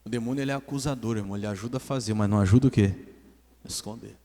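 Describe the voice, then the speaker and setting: A man's voice: lowish voice, rapid-fire, warm tone. A man with a Brazilian Portuguese accent preaching a sermon as pastor, asking the congregation questions and telling stories. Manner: preaching with call-and-response questions, then storytelling. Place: church hall. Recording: church hall with long reverb.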